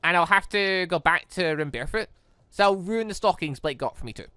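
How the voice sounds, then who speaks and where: A man voicing an insecure, self-blaming teenage girl from a visual novel, halting and stammering. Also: high voice, animated, sharp tone, smooth, dry recording, studio quality. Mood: upset, self-blaming.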